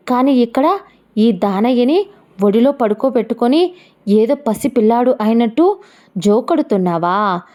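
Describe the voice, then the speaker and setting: A woman voicing a proud, angry young woman who speaks in a sharp, taunting, defiant way. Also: mid-range voice, lightly acted.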